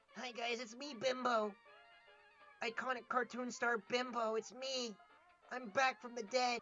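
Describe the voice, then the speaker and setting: A woman does a put-on character voice, high-pitched and strained, at a moderate pace. Her delivery is monotone and flat, with clear music playing in the background. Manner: cartoonish.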